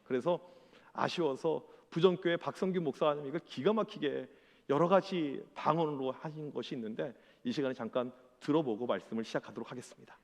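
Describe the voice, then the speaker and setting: A man, a pastor, giving a relaxed, conversational Sunday sermon with filler pauses. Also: fairly high pitch, gravelly, long reverb tail. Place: church sanctuary.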